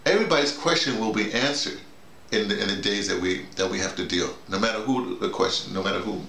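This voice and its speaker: This older man talks fast in a low, creaky voice with an American accent. As a theater director and workshop leader, he delivers a casual, meandering debrief, animatedly quoting himself and others. The setting is a small indoor bedroom, with an echoey recording and a little background noise.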